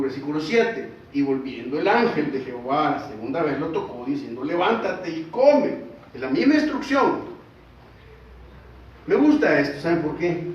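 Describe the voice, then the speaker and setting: A man's voice: fairly high pitch, slight background noise. A man, preaching a sermon as pastor in a conversational style and putting questions to the congregation. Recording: distant echoey hall, dull sound.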